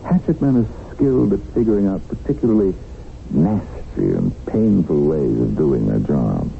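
A man's voice: sits low, wildly swooping pitch, moderate pace, gravelly, full character voice. An actor playing a wry, unflappable businessman held hostage in a 1970s radio drama, sardonic, genial and probing. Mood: expansive, sardonic. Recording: muffled, noisy 1970s radio broadcast.

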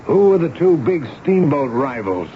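A man's voice: fairly high pitch, sing-song, moderate pace. A man acting a stern, authoritative army major who questions in a commanding, clipped way in a 1970s radio drama. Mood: probing. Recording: dull, noisy vintage radio broadcast.

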